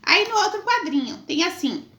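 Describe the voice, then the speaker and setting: Woman teacher, high voice, affectionate, stretches words for young kids. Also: sing-song, moderate pace, bright, forceful tone. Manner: affectionate, calls herself auntie, stretches words for children. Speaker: primary school teacher. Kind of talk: remote video lesson for young children.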